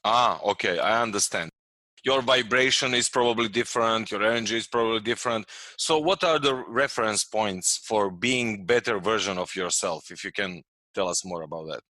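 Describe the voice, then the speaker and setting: Male host, low-pitched but bright, dry recording, halting and enthusiastic. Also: dry recording. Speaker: podcast host. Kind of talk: interviewing.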